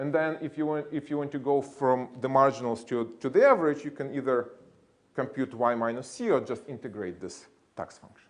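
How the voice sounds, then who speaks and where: Speaking at a fairly quick pace with a non-native accent, a man uses a medium pitch and ordinary pitch variation, and his loudness swings widely. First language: not English. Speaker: economics professor. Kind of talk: academic conference lecture. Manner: halting, repeats words.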